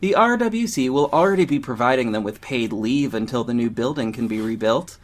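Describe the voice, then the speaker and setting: A man acting in an audio drama as a confident, sharp-tongued gay councilman with a pointed, theatrical manner. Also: mid-range voice, lively intonation, fairly quick, close to an everyday voice. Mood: smug, commanding. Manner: theatrical, pointed, biting sarcasm.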